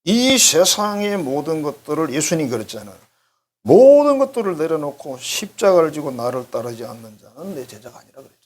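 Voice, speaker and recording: Husky, lively pastor preaching conversationally. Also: male voice, fairly high pitch, brisk. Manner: conversational, joking, acts out little dialogues. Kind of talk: sermon. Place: church sanctuary.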